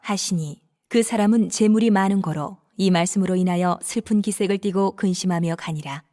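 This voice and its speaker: A woman narrates scripture in a steady, formal reading voice. Her pitch sits in the middle of the female range. A long hall reverb follows her words. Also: brisk. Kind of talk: dramatized Bible reading narration.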